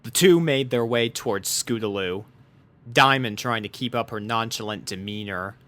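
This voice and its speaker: A man's voice: medium pitch, normal speed, a bit bright. A man reading a fan fiction story aloud as its narrator, in scripted storybook narration. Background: background music.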